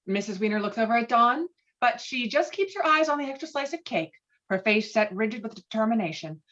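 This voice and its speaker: A woman's voice: on the high side, lively intonation, a little fast, fairly bright tone. Muffled woman reading stage directions. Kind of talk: scripted narration of screenplay directions.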